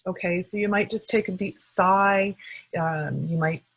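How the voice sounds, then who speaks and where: A woman practitioner guiding a call-and-response tapping session, speaking calmly in short phrases for her client to repeat. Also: lowish voice, measured pace.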